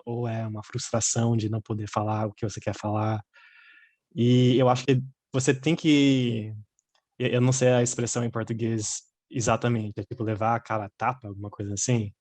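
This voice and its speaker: A man's voice: medium pitch, steady tone, a little fast, darkish tone, dry recording. A man who grew up speaking English, talking reflectively in a casual podcast chat, restarting sentences as he searches for words. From raised outside Brazil, mother Brazilian. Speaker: podcast co-host.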